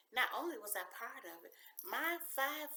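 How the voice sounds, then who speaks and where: Projecting a raised voice, a woman with an American accent speaks at a fairly slow pace with a bright, sharp tone and very wide pitch swings. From Chicago, US. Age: 60s. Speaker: recovery ministry founder. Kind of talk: motivational talk. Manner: animated.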